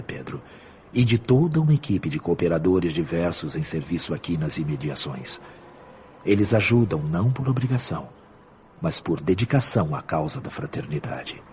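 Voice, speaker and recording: A Brazilian actor playing a fatherly, benevolent spirit mentor in a radio drama, speaking in a measured, earnest and solemn way. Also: deep voice, a little mellow, slight background noise. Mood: reassuring, fatherly. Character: Brother Félix, benevolent superior spirit mentor, fatherly, grave. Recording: dull lo-fi sound with music. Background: background music.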